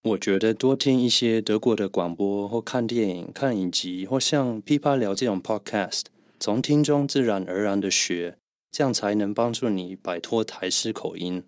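A man co-hosting a podcast as a German teacher, calmly and methodically explaining pronunciation. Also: on the low side, moderate pace, no room sound, studio quality. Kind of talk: podcast language lesson.

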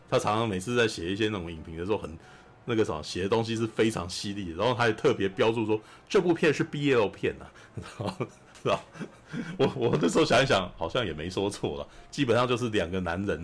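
A man with a Taiwanese Mandarin accent, hosting a podcast and telling a film's story in an animated, chatty way, often asking "you know?". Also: fairly low pitch, husky. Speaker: podcast host. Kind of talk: casual film recap chat.

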